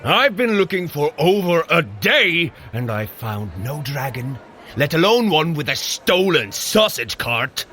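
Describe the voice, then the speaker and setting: A man's voice: fairly high pitch, big pitch swings, a little slow, sharp tone, a little hiss or hum, exaggerated voice. An actor playing a hearty, good-natured warrior god who teases his brother in an audio drama. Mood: puzzled, suspicious. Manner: jovial, frequent chuckles, ribbing. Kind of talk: scripted audio drama dialogue.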